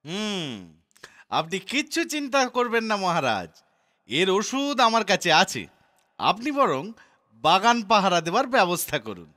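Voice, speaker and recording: A man's voice: high voice, big pitch swings, normal speed, pauses often, sharp tone, exaggerated voice. A man voicing a clever, obliging male court jester in a cartoon, with an assured, deferential manner. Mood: confident, reassuring. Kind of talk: cartoon voice acting.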